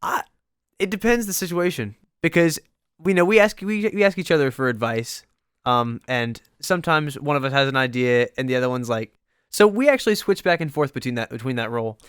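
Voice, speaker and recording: A young man co-hosting a podcast in casual chat, excitable and rambling, often restarting his sentences. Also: fairly quick, clean tone, no room sound, studio quality. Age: young adult. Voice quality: higher voice. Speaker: podcast co-host.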